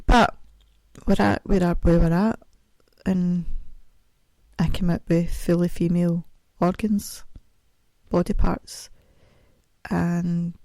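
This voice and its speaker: A woman's voice: mellow, no room sound. A woman hosting a podcast in a casual, self-mocking ramble, speaking carefully around a sore mouth after dental work. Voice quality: deep voice. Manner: chatty, self-mocking, sings snatches. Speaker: podcast host. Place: home, audio only.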